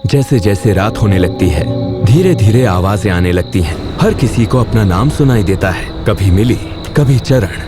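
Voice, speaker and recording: A man with a fairly low voice narrates a scripted children's ghost story. He speaks as a storyteller, with music playing behind him. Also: lively intonation, moderate pace.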